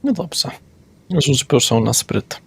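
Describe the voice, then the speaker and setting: A man running a tabletop vampire game as game master, describing scenes deliberately with pauses and fillers. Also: medium pitch, very animated, gravelly, husky.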